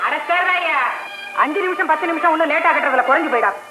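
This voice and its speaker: An actress playing a sharp-tongued, middle-aged mother of the groom who scolds and makes demands. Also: sits high, fast talker, loud music behind the voice, natural voice, low-quality recording. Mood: scolding.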